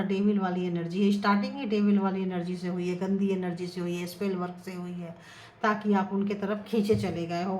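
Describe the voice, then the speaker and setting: A woman giving a casual tarot reading to her viewers, earnest and repetitive, softly chanting her requests to the cards. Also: medium pitch. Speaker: tarot reader. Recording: echoey room with faint ambient noise.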